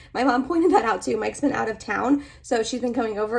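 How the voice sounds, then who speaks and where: Noticeable background noise accompanies a woman who talks very fast. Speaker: beauty vlogger. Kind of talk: makeup tutorial try-on. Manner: casual, chatty.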